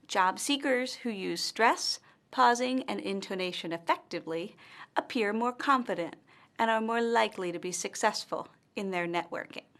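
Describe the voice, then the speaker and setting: A woman narrating a scripted language lesson, speaking slowly and carefully with clearly marked stress and pauses. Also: mid-range voice. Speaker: language teacher.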